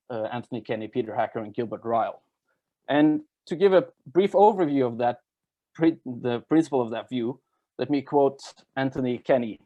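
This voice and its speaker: A man giving an academic talk, explaining step by step with halting self-corrections. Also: mid-range voice, warm tone. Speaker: academic presenter. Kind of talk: academic lecture at a workshop.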